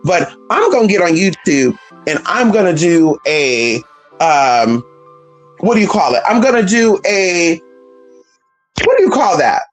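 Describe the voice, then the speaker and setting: Sassy, lively trans woman vlogger. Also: on the low side, a little slow, soft background music, poor audio. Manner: sassy, blunt, profane; animated, emphatic. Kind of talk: casual vlog rant.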